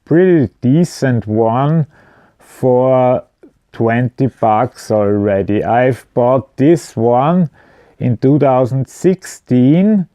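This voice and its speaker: Man, unhurried, smooth clear voice, informal explainer, matter-of-fact, slightly hesitant. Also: mid-range voice, lively intonation, dark tone, no echo, studio quality. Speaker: video presenter. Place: indoors at home.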